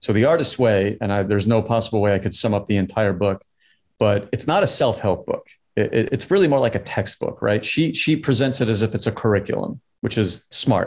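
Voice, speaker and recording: With an American accent, a man speaks at a fairly quick pace and medium pitch, somewhat breathy, with very even loudness and ordinary pitch variation. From New York, Staten Island. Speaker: actor and improviser. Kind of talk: casual interview chat.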